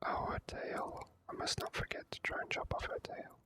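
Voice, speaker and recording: An ASMR gaming host giving casual, drawn-out gameplay commentary in whispers.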